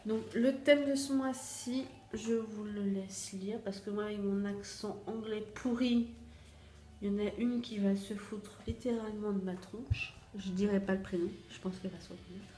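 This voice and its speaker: A woman's voice: mid-range voice, fairly even intonation, normal speed, warm tone. A French-accented woman chatting casually through a beauty box unboxing, hesitant and full of fillers. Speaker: beauty vlogger. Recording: echoey room with faint music.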